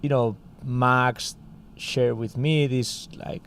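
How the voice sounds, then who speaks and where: A man's voice: medium pitch, fairly even intonation, slow, fairly bright tone, a little hiss or hum. A man from Spain with a Spanish accent, a music school co-founder chatting casually on a podcast and telling a story with lots of fillers. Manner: storytelling, many fillers like "you know" and "like".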